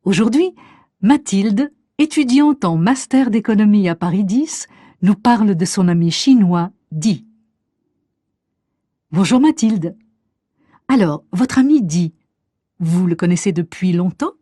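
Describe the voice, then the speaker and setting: A woman's voice: mid-range voice, lively intonation, a little slow, long pauses, dark tone, breathy edge, dry recording, studio quality. A woman playing a friendly show host interviewing a student, in a scripted learner dialogue.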